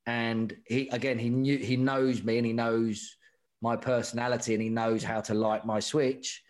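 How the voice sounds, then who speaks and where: A man in middle age talks candidly about his career, animated and full of restarts and repeated words. His pitch sits in an ordinary middle range, and he drops in "mate" as he retells conversations. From England. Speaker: rugby sevens coach, guest.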